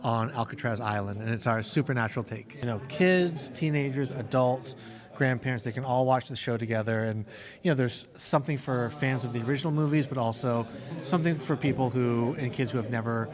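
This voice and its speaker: A man with a mid-pitched voice answers interview questions conversationally. A busy convention crowd is clearly audible behind him. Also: a little fast. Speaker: animated series creator being interviewed.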